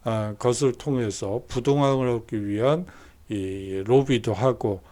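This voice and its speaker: A man's voice: medium pitch, unhurried, dark tone. A man giving a recorded university history lecture, explaining steadily with frequent hesitation fillers.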